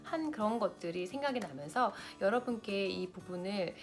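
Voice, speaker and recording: A woman's voice: mid-range voice, expressive, moderate pace, soft background music. A woman in her late thirties, a lifestyle vlogger, talking to camera and giving big-sister advice straight to her viewers. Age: 30s.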